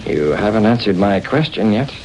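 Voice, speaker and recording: An actor playing a masked crime-fighter in a 1930s radio drama, speaking in a calm, clipped, menacing way. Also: male voice, on the low side, normal speed, low-quality recording. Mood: commanding. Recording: old radio transcription with faint hiss.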